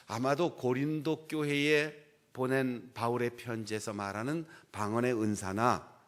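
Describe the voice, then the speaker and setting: A middle-aged male pastor delivering a sermon in a medium-pitched voice. He preaches expressively, pushing some phrases out loud and dropping others to a hushed near-whisper. His tone is folksy and humorous as he explains his points. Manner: expressive preaching, swinging from loud emphasis to low, hushed asides; folksy, acts out dialect quotes for humor.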